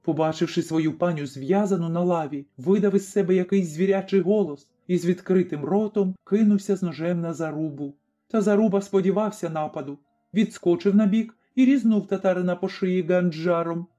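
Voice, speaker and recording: A man reading an audiobook story aloud in a measured, dramatic narration. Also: sits high, warm tone. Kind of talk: scripted narration. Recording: slightly dull recording, faint music.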